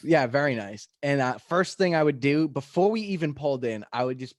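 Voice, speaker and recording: A man from New Hampshire with a New England accent, hosting a podcast in a relaxed, chatty way. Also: mid-range voice, brisk, dry recording, studio quality. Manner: relaxed, lots of "like" and "I mean". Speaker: podcast host. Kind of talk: casual podcast chat.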